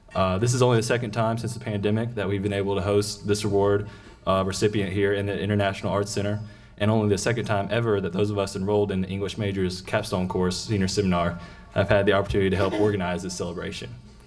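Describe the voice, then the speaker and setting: Over faint background music, a man talks at a very fast pace in a fairly low, monotone, flat voice. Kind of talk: welcome speech. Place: hall. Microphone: podium.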